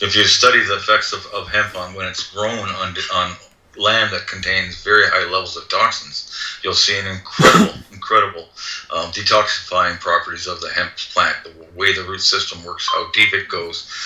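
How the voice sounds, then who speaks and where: At a moderate pace, a man speaks with big swings in loudness, over noticeable background noise and audible room echo. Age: 60s. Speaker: caller with own show, hemp and chaga advocate. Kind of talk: casual chat.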